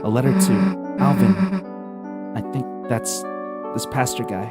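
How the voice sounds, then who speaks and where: A man voicing a brash, rough-talking monster girl from a game, blunt and swearing. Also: mid-range voice, big pitch swings, loud music behind the voice. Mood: gruff, puzzled. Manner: blunt, swears, slow gruff delivery. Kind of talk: voicing game dialogue on stream.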